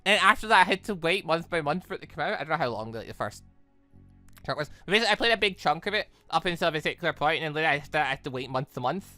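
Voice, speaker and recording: A gaming video host giving casual, rambling playthrough commentary in an animated way, often repeating words. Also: medium pitch, racing, no room sound, faint music behind.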